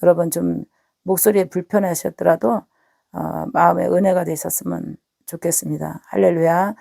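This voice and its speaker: Woman pastor with a cold, gravelly husky voice, low and mellow, dry close sound, earnest testimony. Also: fairly even intonation, moderate pace, no echo. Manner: earnest, repeats words, talks to listeners directly. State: hoarse from a cold. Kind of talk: spoken testimony to online viewers.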